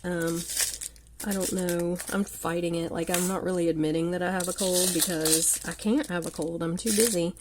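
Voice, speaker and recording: A woman's voice: fairly low pitch, steady tone, normal speed, noisy background. A woman with a cold, congested, hosting a casual jewelry-making tutorial, chatty and rambling, often dropping to a murmur as she works. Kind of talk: casual live craft tutorial. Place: indoors at a craft table. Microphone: overhead camera on hands at a table.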